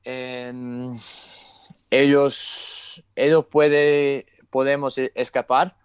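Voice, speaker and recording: A young man whose first language is English, speaking hesitant Spanish full of fillers and pauses as he searches for words, on a video call through an earphone mic. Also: medium pitch, little pitch movement, clean tone, no echo. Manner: gestures while talking. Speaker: guest. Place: room with curtain, indoors.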